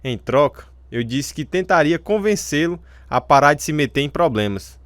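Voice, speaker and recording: A man's voice: a little high, lively intonation, moderate pace, dry recording, natural voice. Man playing a supportive coach, dry close sound. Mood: encouraging, firm. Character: supportive, straight-talking male baseball coach. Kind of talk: radio drama acting.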